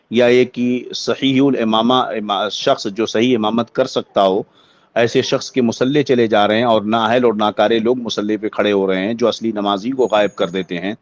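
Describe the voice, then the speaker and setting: A man with an Indian accent, a Muslim cleric giving a religious ruling as a lecture in deliberate, formal scholarly phrasing. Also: fairly low pitch, no room sound.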